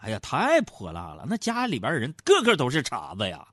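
Man, middle-aged, comic monologue host, bouncy pitch, dry close sound. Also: wildly swooping pitch, fairly quick, a bit bright, breathy edge, no echo. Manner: chatty, teasing, asks the audience rhetorical questions. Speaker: comedy talk show host.

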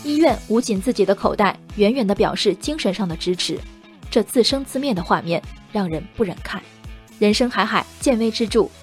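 A woman reading a scripted radio commentary with measured, reflective delivery. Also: medium pitch, lively intonation, faint music behind. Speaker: commentary host.

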